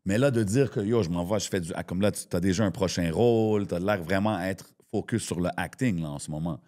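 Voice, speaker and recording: A man, co-hosting a podcast in relaxed chat with English words mixed in. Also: sits low, brisk. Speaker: podcast co-host. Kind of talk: casual interview chat.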